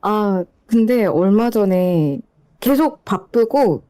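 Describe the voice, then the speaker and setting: A woman telling her own true story in a soft, mellow voice. Her pitch rises and falls a lot as she recounts it, yet her delivery stays calm and measured, like a caller on a show. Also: no echo, clean studio sound. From South Korea. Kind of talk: first-person horror story narration.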